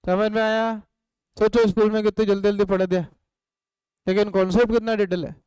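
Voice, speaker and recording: A man's voice: high-pitched, flat delivery, a little fast, a little mellow, smooth, no room sound, low-quality recording. An economics teacher with an Indian accent, giving a live online lesson. He poses questions to the class, answers them himself and dictates notes word by word.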